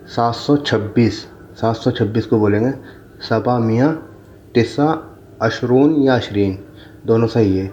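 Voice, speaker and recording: Slow, patient man teaching numbers. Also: fairly low pitch, mellow, dull audio. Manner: repeats each number several times, correcting the book. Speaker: Arabic teacher. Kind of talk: slow repetitive lesson.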